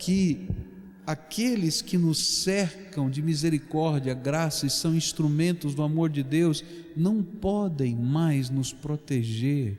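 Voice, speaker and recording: Noticeable background noise accompanies a man speaking at a fairly high pitch in a Brazilian accent. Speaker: pastor. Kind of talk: sermon. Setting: church.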